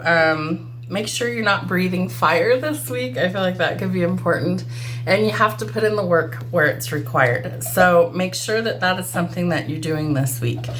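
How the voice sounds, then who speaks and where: Congested woman giving a casual tarot reading. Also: lowish voice. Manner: conversational, musing aloud. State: congested from a cold; voice cutting in and out. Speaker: tarot reader.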